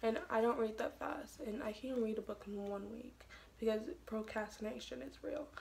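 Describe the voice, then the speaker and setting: A woman speaks in a soft-spoken way. Her pace is moderate. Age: young. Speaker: book vlogger. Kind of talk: casual talk to camera. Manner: soft-spoken, quiet.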